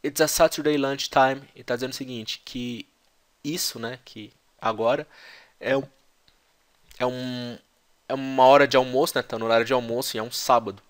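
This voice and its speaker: A man teaching English in a casual vlog, slowly repeating English phrases and then explaining them. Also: mid-range voice, fairly even intonation. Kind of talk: language lesson vlog.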